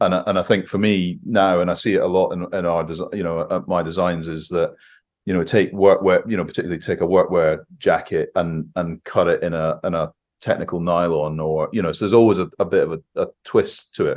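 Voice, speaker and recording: In an Edinburgh accent, a man talks at a fairly quick pace against a quiet background. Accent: Scottish (Edinburgh). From Scotland, Edinburgh. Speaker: fashion brand founder and designer. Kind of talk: interview. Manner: halting, many fillers.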